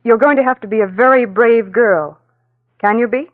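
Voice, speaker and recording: A cheerful, folksy hospital nurse in a 1940s radio drama, as an actress plays her. Her voice sits a little high and she chats in a bright, soothing way. It comes through a thin, dry, phone-like old broadcast. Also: moderate pace, dry recording, close to an everyday voice. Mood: reassuring. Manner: folksy, chirpy, reassuring. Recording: tinny narrow-band 1940s radio recording.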